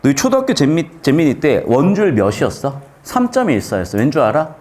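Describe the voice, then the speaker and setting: In a slightly high voice, a man gives a lively grammar lecture to students, firing off quick questions and answering them himself. His speech shifts between polite and blunt.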